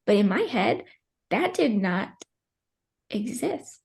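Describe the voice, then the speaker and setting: Her mid-range voice is gravelly and darkish, sing-song in rhythm, and she takes her time. The young woman, in her twenties, is a podcast guest sharing her personal birth story chattily and emotionally, with many fillers and "likes," growing tearful now and then.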